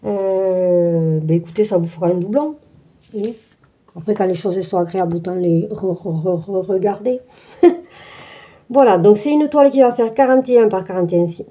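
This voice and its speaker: A woman talks her viewers through an unboxing in a loose, chatty way, full of hesitations and restarts. Her voice is very dark and mellow at a middling pitch. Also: lo-fi sound. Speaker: craft channel host. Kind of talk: casual unboxing walkthrough.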